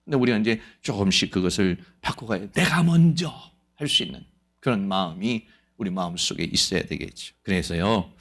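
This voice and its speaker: A man preaching a sermon as pastor of a church, lively and playful, acting out quoted voices. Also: on the low side, normal speed. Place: church sanctuary.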